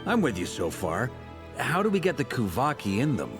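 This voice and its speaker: A man's voice: mid-range voice, huge pitch swings, normal speed, music in the background. An actor playing a practical, easygoing young adventurer man in an anime game. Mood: attentive.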